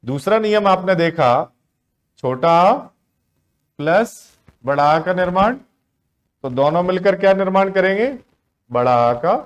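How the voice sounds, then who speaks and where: A man's voice: sits high, expressive, clear, resonant tone, dull audio. A man teaching an exam-prep grammar lesson, often asking his students a question and answering it himself. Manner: asks the class questions and answers them himself, drawn-out words.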